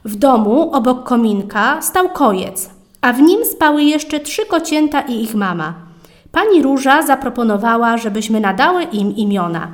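A woman narrating a children's story in a calm, expressive read-aloud tone. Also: a little high, moderate pace.

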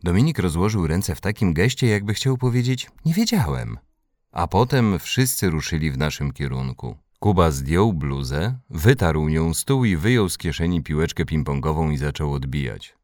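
A man reading a children's story aloud with expressive narration. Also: rumbling low, normal speed, few pauses, no echo, studio quality. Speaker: audiobook reader.

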